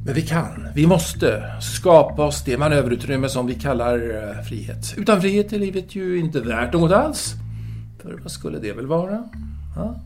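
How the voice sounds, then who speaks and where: An actor playing an earnest, pedantic intellectual in an audio drama, discursive and deliberate, a man devoted to his lover. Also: a little high, expressive, darkish tone, faint music behind. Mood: philosophizing, earnest. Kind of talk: audio drama letter monologue and dialogue.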